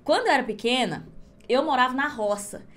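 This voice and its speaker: Give me a high-pitched, chatty woman telling a story to her class. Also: brisk. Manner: animated, chatty, laughs often. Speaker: crochet teacher. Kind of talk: lively live class storytelling.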